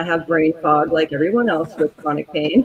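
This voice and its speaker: Speaking at a fairly quick pace with ordinary pitch variation, a woman has an unremarkable speaking voice. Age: 40s. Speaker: patient advocate. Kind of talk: interview answer. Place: kitchen. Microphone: video call.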